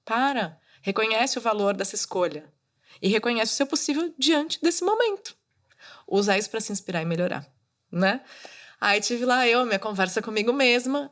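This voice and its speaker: Animated and fairly bright, her voice sits on the high side and moves at a moderate pace. She's a woman in her thirties hosting a motivational solo podcast, speaking casually and coaching her audience directly.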